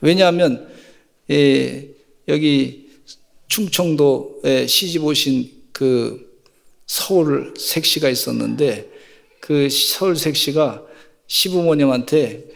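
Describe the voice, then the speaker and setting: Man, pastor, sermon, gravelly, fervent and folksy. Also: on the high side, takes it slowly, in a large hall. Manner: folksy storytelling with acted quotes, rising to fervent exhortation.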